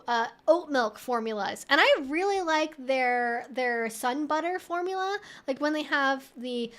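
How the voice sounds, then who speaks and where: In a casual live Q&A, a female host reads viewer messages aloud and answers them, talking in a loose, rambling way as ideas come to her. Her voice sits high with a fairly bright tone.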